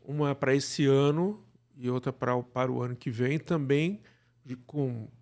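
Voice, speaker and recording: A Brazilian man speaking as an interview guest, explaining things casually and haltingly, often checking that he is followed. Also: mid-range voice, a little mellow. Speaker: podcast guest, radio drama producer.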